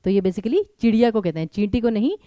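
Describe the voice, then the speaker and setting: A young woman teaching a live online exam-prep class, brisk and urging students to answer quickly, mixing English words into her Hindi. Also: mid-range voice, sing-song, warm tone, dry recording.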